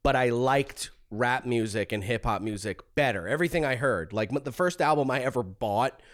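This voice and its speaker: A man in his thirties from Long Island talks as a guest in a casual interview. He is jokey and self-deprecating and swears freely. His pitch is average and the recording is dry. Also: lively intonation, moderate pace, no echo. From Long Island, New York, USA. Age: 30s. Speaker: podcast guest, stand-up comedian.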